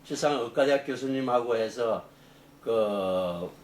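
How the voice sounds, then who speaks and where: A middle-aged professor talks through his answers in a loose, rambling way, stopping and restarting often. His voice sits at an ordinary pitch for a man. The room is echoey, with a faint hiss underneath. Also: slow pace. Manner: rambling explanations with many fillers and restarts. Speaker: engineering professor. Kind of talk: interview answers.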